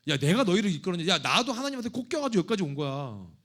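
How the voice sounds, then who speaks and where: A man voicing an exasperated Moses, an older leader who rants loudly and pleads as his crowd complains. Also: high-pitched, very animated, rapid-fire. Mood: indignant. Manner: loud, indignant, pleading rants.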